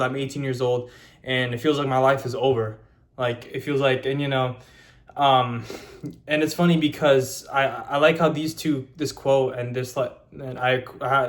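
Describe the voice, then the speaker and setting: A young man in his early twenties speaks straight to his camera with a mid-range voice. He rambles loosely and leans on fillers, restarting his sentences as he goes. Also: medium pitch. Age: 20s. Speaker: YouTuber. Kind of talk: casual vlog monologue.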